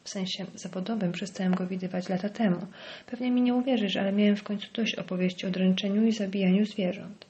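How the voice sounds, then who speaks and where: A woman's voice: mid-range voice, a little mellow, lightly acted. A woman voicing a bitter, venomous middle-aged male village doctor in an audiobook, sneering and dropping into hissed whispers. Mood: dismissive. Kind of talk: audiobook character voice.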